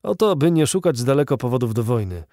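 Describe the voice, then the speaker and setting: A man's voice: medium pitch, very animated, fast talker, mellow, no room sound, studio quality. A man reading the lines of an indignant old male artillery veteran in a fervent, declamatory audiobook voice.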